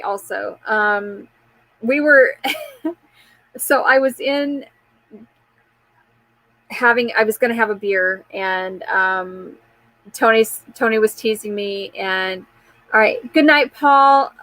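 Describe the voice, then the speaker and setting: A woman's voice: fairly high pitch, fairly bright tone, dry recording, poor audio. A woman in her forties hosting a casual live chat, talking candidly in a rambling way and answering viewer comments, with frequent fillers and restarts. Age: 40s.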